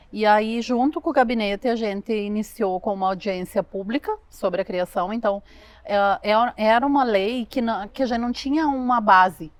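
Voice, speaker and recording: Delivery moves at a moderate pace with ordinary pitch variation. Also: woman, fairly high pitch for a woman. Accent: Rio Grande do Sul. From southern Brazil, Missões region of Rio Grande do Sul. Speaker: bereavement support NGO representative. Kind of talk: interview conversation. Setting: studio interview in a shop.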